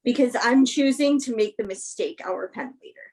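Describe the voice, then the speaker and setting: A woman's voice: a little high, moderate pace, darkish tone, close to an everyday voice. A woman acting a bitter, guarded young woman, confrontational and sarcastic, in a staged play reading. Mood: angry, defensive.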